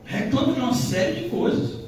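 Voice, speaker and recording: Pastor in an echoey church. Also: male voice, very high voice, very animated, a little fast, a little mellow, a little hiss or hum. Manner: conversational, with frequent "né?" asides. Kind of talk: Bible-study sermon. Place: church hall. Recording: echoey church hall, distant mic.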